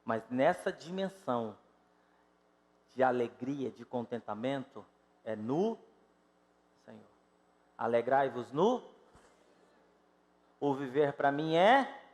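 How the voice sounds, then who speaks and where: A Brazilian man in his fifties preaching a sermon to his congregation, emphatic and direct, swinging between loud exclamations and quiet, drawn-out phrases. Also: medium pitch, expressive, big-room sound. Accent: Brazilian Portuguese. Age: 50s. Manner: emphatic, rises and drops sharply in loudness, addresses congregation directly. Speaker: pastor. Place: church sanctuary.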